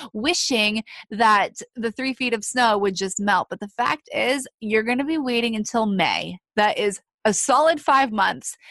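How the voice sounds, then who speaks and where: A woman's voice: a little high, fairly bright tone, dry recording. A woman life coach with a slightly nasal voice, giving an encouraging motivational talk to listeners she calls friends. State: a little nasal. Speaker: life coach and podcast host.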